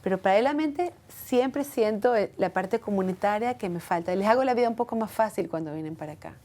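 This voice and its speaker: Earnest, reflective woman with a mellow voice. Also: mid-range voice, expressive, fairly quick. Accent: foreign accent when speaking Hebrew. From from outside Israel. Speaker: interview guest. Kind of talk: reflective personal interview.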